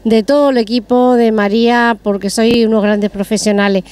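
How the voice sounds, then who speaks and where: Woman interviewer, a bit high, chatty and flattering, outdoor terrace at night, handheld mic. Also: moderate pace. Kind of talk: casual interview.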